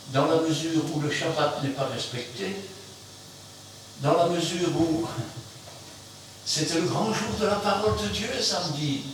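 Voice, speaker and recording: Guy preaching hard, kinda high voice, loud then quiet, super echoey room far from the mic. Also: slight background noise. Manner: emphatic, swings between loud outbursts and quiet asides. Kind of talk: fiery sermon.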